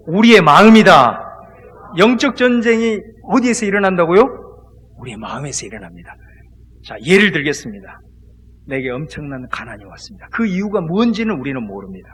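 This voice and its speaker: Male pastor, high lively voice, husky edge, emphatic sermon delivery; recorded in a long-reverb hall. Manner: emphatic preaching, leads the congregation in call-and-response repetition; swings between loud exclamations and hushed asides.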